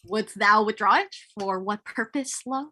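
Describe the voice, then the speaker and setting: An ardent, dreamy young male lover, played by a man, with a very high, bright voice and a slow pace. He delivers Shakespearean verse theatrically and with exaggeration, like an amateur stage reading. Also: no room sound, clean studio sound, full character voice. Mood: pleading.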